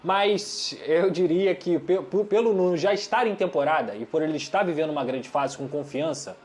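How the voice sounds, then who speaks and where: A man with a Brazilian Portuguese accent giving an animated, opinionated football analysis in a studio sports debate. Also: fairly high pitch, moderate pace. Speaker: sports commentator.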